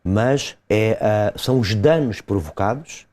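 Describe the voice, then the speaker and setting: A man, a lawyer explaining a legal case step by step in an interview, pausing and hesitating often. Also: fairly low pitch, expressive, darkish tone. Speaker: lawyer commenting as guest.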